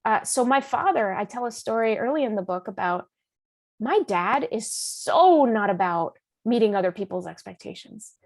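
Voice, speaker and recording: A woman author being interviewed, speaking in an animated, emphatic and informal storytelling way. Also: mid-range voice, normal speed, gravelly, no room sound. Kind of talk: conversational storytelling in a public talk.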